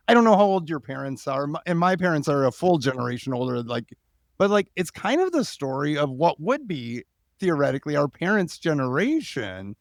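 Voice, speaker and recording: An American man hosts a casual interview in a slightly high voice with very lively, swinging pitch. He is enthusiastic and rambles into joking asides. The sound is dry. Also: no echo. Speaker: podcast host, interviewer.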